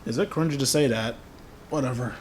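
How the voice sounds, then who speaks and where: A man's voice: medium pitch, fairly quick, a little mellow, a little hiss or hum. A man giving casual playthrough commentary as a gaming YouTuber, with informal, self-deprecating asides.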